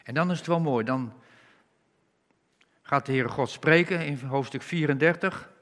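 A man preaching a sermon, reading scripture slowly and with emphasis and rising on key words. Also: a little high, a bit bright. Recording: reverberant hall.

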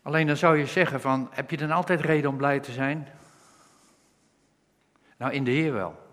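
A man preaching a sermon, earnestly explaining Bible verses and slowing down when he quotes scripture. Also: medium pitch, a bit bright, long reverb tail.

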